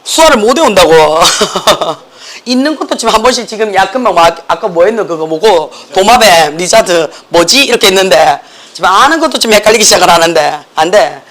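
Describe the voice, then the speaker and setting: A middle-aged teacher with a Gyeongsang Korean accent and a hoarse voice, lecturing a class in an animated, joking way and slipping English words into the talk. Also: mid-range voice, fairly quick, few pauses.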